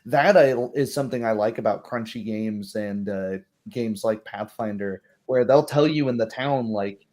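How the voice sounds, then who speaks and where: A man's voice: fairly low pitch, moderate pace, a little mellow. A man chatting casually as a game master, explaining rules with examples in a hesitant, explanatory way. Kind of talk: casual chat about tabletop game rules.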